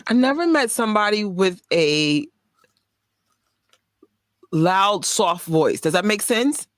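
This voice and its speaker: A woman's voice: mid-range voice, expressive, slow pace. A woman chatting casually, amused. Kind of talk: casual chat.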